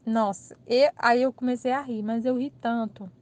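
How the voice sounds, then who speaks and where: A Brazilian woman telling a personal anecdote in a casual, animated way, acting out the people in it and laughing at herself. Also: fairly high pitch, normal speed. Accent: Brazilian Portuguese. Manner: animated, laughing retelling with quoted dialogue. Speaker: channel host. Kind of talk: casual storytelling.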